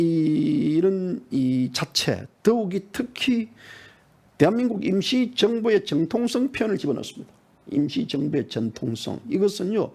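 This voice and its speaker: A middle-aged man giving heated, mocking partisan political commentary, dropping to low mutters and jumping to sudden high shouts. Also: creaky, breathy edge.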